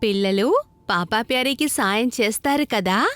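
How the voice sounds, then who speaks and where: A woman playing a caring, cheerful mother in a children's cartoon, with an expressive, solicitous delivery. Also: on the high side, moderate pace, faint music behind. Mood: coaxing.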